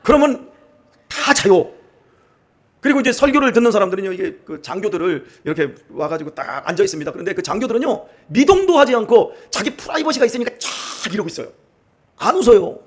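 High-pitched, lively middle-aged pastor preaching. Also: male voice, a little fast. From Chungcheong region, Korea. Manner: animated, acts out dialects and laughs while telling stories. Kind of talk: sermon with humorous storytelling. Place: church sanctuary.

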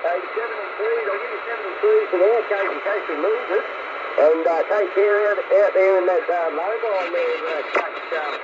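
Australian man, rambling radio chat, repetitive phrasing, slightly high pitch, CB reception buried in loud noise. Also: moderate pace, muffled recording. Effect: shortwave sideband radio reception. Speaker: amateur CB radio operator. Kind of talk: casual radio contact chat. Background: heavy radio noise.

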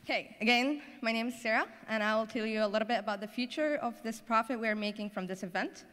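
A woman's voice: on the high side, fast talker, fairly bright tone. A young woman from the Middle East speaking on stage as a student presenter, in a prepared-speech style. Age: young adult. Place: large auditorium stage. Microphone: handheld microphone. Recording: echoey auditorium.

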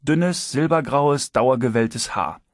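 Male audiobook narrator, even first-person read, mid-pitched, close and dry. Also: slow, no room sound.

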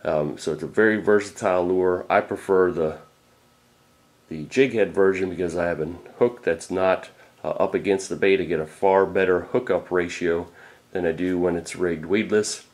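A man's voice: deep voice, fairly even intonation, normal speed, a little mellow. A middle-aged man, a fishing guide, giving a casual off-camera talk about lures in a plain, practical way with frequent fillers. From Florida.

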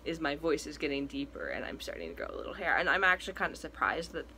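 Chatty young trans man, bright voice. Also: fairly high pitch, big pitch swings, fast, a little hiss or hum. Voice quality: voice cracking now and then. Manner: chatty and rambling, many fillers and restarts. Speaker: vlogger. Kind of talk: casual personal update vlog. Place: small room indoors at home.

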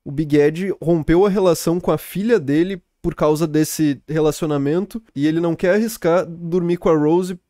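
A man delivers scripted commentary with biting sarcasm and casual swearing. His voice is slightly high but mellow in tone. The recording is close and dry, with no room sound. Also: moderate pace, few pauses, no room sound. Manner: sarcastic, mocking, swears freely. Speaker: commentary youtuber. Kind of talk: scripted video commentary narration.

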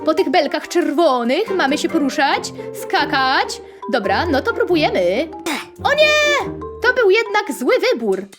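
A young woman with a very high, lively voice gives playful commentary on a game. She talks in a bubbly, sing-song way, rhyming as she goes and squealing at mishaps. Game music plays clearly underneath. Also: moderate pace. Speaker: gaming channel host. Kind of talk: playful Roblox let's-play commentary.

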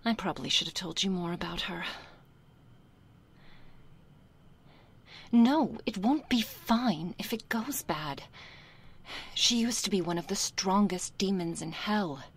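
A woman voicing a nervous, sheepish young succubus in a soft, hesitant ASMR role-play. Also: medium pitch. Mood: anxious. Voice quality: soft, husky, breathy. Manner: hesitant, flustered, succubus-like soft intimate delivery. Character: nervous young female succubus, reluctant, sheepish, affectionate daughter.

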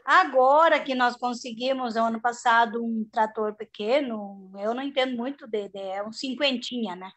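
A high-pitched middle-aged woman, speaking over a video call from her home. She rambles in a chatty, homespun way, restarting her sentences and tagging them with little checks. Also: a bit bright. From southern Brazil. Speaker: organic farmer. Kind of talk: casual video-call panel talk.

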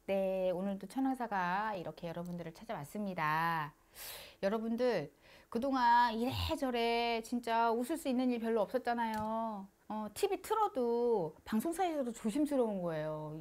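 A woman shaman telling a funny story to camera in a lively, dramatic way, indoors. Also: on the high side.

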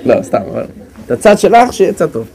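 A man giving a storytelling religious lecture, lively and acting out the characters as he goes. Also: sits high, vocal fry, a crowd in the background. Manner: lively, acts out characters with big swings of voice. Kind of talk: storytelling sermon.

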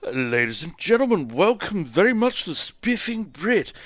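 A man's voice: high voice, big pitch swings, normal speed, a bit bright, dry recording. A man streaming a game, putting on a theatrical, overly polite presenter voice as he walks through a tutorial. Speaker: streamer doing an impression. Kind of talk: mock-posh gameplay tutorial.

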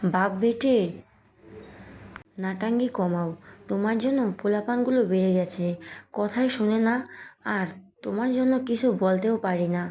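A woman reading as a fed-up middle-aged mother in an audio story, nagging and complaining at her squabbling daughters. The voice is mellow and warm, read in a steady storybook way. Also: medium pitch, moderate pace, long pauses, close to an everyday voice. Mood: scolding.

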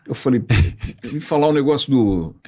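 Husky, animated male storyteller. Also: medium pitch, normal speed. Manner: animated storyteller, acts out quoted voices. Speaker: podcast guest. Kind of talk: casual storytelling chat.

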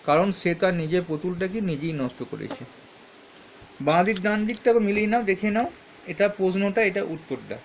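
High-voiced man explaining schoolbook answers. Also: lively intonation, normal speed, slight background noise. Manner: reads questions then answers, stops to correct himself. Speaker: teacher.

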